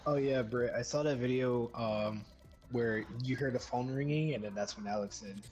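A woman friend playing with the streamer on a voice call, making excited team callouts and teasing. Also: very deep voice, moderate pace, soft background music. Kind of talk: casual gaming chat over voice call.

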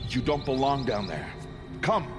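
A gruff, protective tribal elder who speaks with grave authority, his voice rising and falling with feeling. Music sits under him in the game mix. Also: medium pitch, very animated, a little slow. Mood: stern. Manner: grave, commanding. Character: stern protective tribal father figure, middle-aged.

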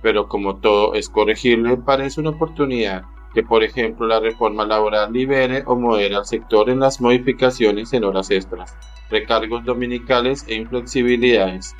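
A man giving an even, formal reading of an opinion column. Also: medium pitch, moderate pace, soft background music. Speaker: column reader.

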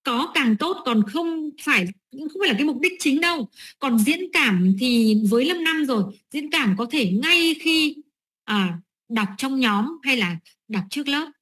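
A woman's voice: sits high, lively intonation, measured pace, a bit bright. A middle-aged woman training teachers, explaining lesson steps with many fillers and "right?" checks.

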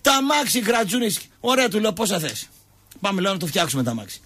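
A man's voice: high voice, very animated, pushed and bright, slight background noise. A man hosting a radio show, telling comic stories and acting out the quotes in shifting voices. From Greece. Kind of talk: comic storytelling chat.

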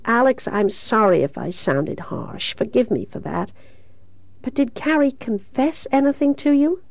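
Woman playing motherly protector, audiobook drama, tender, urgent pleading, creaky, dry slightly dull recording. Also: a little high, expressive, a little slow, no room sound, voice pushed up, full character voice. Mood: gentle, soothing.

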